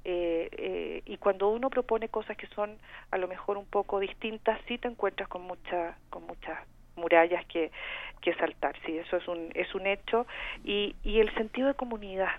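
A woman's voice: mid-range voice, moderate pace, no room sound. Chilean-accented woman, middle-aged, caller on a phone line, dry sound, earnest. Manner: earnest, hesitant restarts. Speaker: neighborhood community organizer. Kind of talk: phone-in radio discussion.

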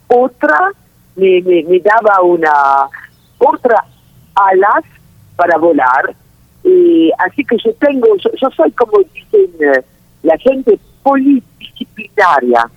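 Low-voiced woman on a phone line. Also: dry recording. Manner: rambling, restarts, tag questions. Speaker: guest performer. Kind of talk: remote interview over a call. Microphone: phone call. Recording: dull phone-line call, dry.

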